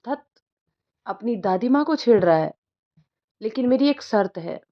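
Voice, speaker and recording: A woman's voice: fairly high pitch, lively intonation, measured pace, muffled recording. A woman voicing an ailing, stubborn old grandmother in a storybook reading, coaxing and scolding her grandson. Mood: delighted.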